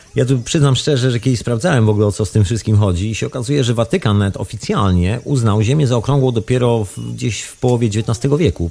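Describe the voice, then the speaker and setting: Music plays in the background as a man talks at a very fast pace. His pitch is fairly low and varies in an ordinary way. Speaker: radio host. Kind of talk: casual chat. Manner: animated.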